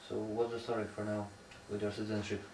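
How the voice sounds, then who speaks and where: A man's voice: lowish voice, completely flat delivery, quick pace, darkish tone. A man who is not a native English speaker, asking casual interview questions with brief informal interjections. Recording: distant mic, echoey room, faint noise.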